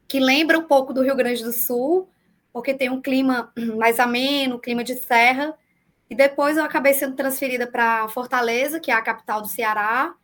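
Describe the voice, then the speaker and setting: A woman in her forties with a Brazilian accent that mixes southern and northeastern sounds, answering interview questions over a video call in a measured, explanatory way with frequent fillers. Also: high-pitched, a bit bright. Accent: mixed southern Brazilian and northeastern Brazilian Portuguese. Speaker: public defender.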